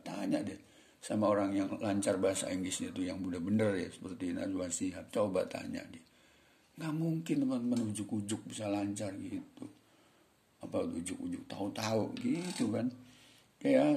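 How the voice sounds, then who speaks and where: A man teaching English grammar in a casual, chatty way, slowing down to read example sentences aloud and calling his viewers friends. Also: lowish voice, creaky, dark tone. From Indonesia.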